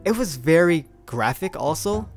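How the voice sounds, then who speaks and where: Over faint background music, a young man speaks a little slowly in a voice on the high side. He's a video creator and amateur voice actor sharing a laid-back, chatty storytime, animated and chuckling as he rambles in slang.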